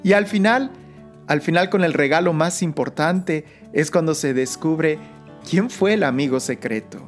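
With music playing behind her, a woman with a low-sitting voice leads a Christian prayer meditation. She speaks slowly and soothingly, like someone narrating a sleep story, leaving pauses between brief phrases.

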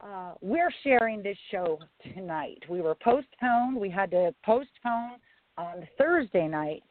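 A woman hosting a live talk radio show in a low, raspy voice, speaking deliberately and leaning on phrases for emphasis. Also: expressive, dry recording. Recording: tinny phone-line radio audio.

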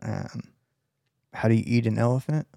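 A man's voice: medium pitch, moderate pace, creaky, mellow, dry recording, studio quality. Laid-back man co-hosting a podcast. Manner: laid-back, casual slang. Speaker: podcast co-host. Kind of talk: casual chat.

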